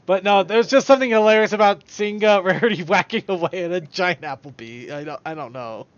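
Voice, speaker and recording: A man's voice: high-pitched, a little fast, no echo, highs cut off. A man hosting a podcast in casual chat, rambling and stumbling over his words as he goes. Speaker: podcast host.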